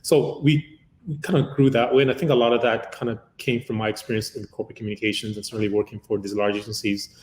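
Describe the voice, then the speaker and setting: A man's voice: fairly low pitch, little pitch movement, fast, darkish tone. Chatty man from Uganda, roomy sound. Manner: long-winded, many "uh" fillers. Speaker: guest, company founder. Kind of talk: conversational interview answer.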